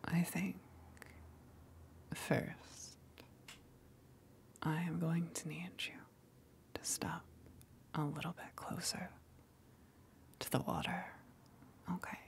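A woman playing a gentle, lonely sea monster in an ASMR roleplay, coaxing softly in a breathy, soothing whisper. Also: fairly low pitch, flat delivery. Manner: slow, soothing, coaxing, long pauses.

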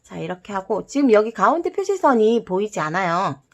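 A woman's voice: mid-range voice, very animated, a little fast. A woman giving step-by-step craft instructions to children, repeating steps simply and dropping in playful little sound words. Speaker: host of a children's origami tutorial.

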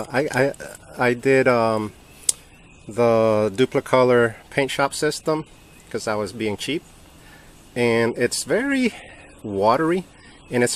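A man casually comparing two tools on a workbench, relaxed and halting, with many ums and uhs. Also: medium pitch, clean tone. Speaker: hobby channel host reviewing tools. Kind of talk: casual hands-on product comparison.

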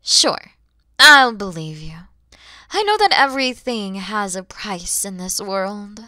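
Bright-voiced, menacing motherly dragon woman, acted by a woman. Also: mid-range voice, dry recording, clean studio sound, full character voice. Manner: theatrical, menacing, with drops into whispers. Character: proud, wary, motherly female dragon guarding her egg. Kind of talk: ASMR audio roleplay acting.

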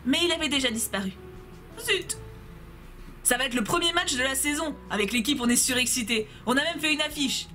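With a brightish voice on the high side, a young let's player works through a story game, voicing all the characters herself. She stays playful, dropping asides to her viewers between scenes.

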